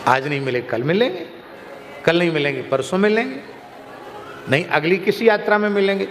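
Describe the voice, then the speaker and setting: Speaking briskly in a high voice, a katha preacher animates his religious discourse with stories and lively anecdotes for his listeners. The hall echoes, and there's faint noise.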